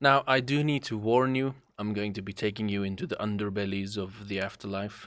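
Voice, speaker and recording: This man talks at a fairly quick clip with a non-native accent and ordinary pitch variation. The recording is very clean, with a silent background. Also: fairly low pitch for a man. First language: not English. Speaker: Minecraft content creator. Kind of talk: casual gameplay chat. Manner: halting.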